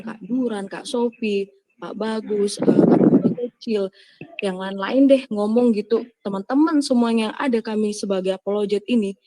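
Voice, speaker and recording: A woman's voice: fairly high pitch, dark tone. A woman, a Christian apologist preaching to her audience in an emphatic, scolding way full of rhetorical questions. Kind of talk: impassioned preaching in a live discussion.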